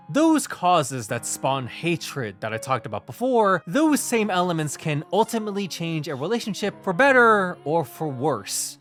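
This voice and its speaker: An earnest reviewer narrates a scripted video essay. The pitch sits in a middle register and moves around a lot, with emphatic phrasing. Music plays softly behind the voice. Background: background music.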